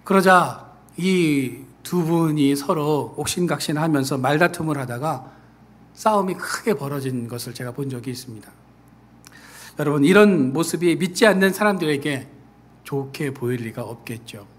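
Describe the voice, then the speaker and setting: A man preaching a sermon as pastor, who acts out quoted people in lively voices and then falls back to a soft, earnest tone. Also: a little high, moderate pace. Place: church sanctuary.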